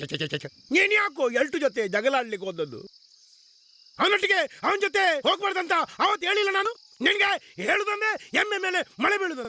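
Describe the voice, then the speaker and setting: Extremely high pitch from a man, delivered at a moderate pace. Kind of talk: comedy film scene. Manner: angry, scolding, frustrated.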